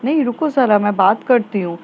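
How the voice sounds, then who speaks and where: A bold young woman in love, protective of her girlfriend, as a female storyteller puts her on, her lines a touch quieter than the telling around them. The recording is slightly dull, with faint noise behind. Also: fairly high pitch, lively intonation, fairly quick.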